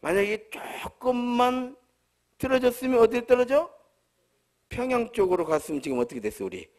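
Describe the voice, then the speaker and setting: A man's voice: very high voice, lively intonation, normal speed, a little mellow. A male pastor with a Jeolla accent, delivering a humorous, conversational sermon full of rhetorical questions at a church service. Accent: Jeolla Korean.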